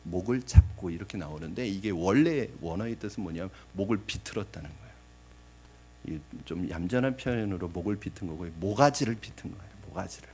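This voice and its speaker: Preaching a sermon, a male pastor speaks in a low, husky, warm voice, briskly and with lively intonation. He throws rhetorical questions at the congregation and plays the parable's characters with drama.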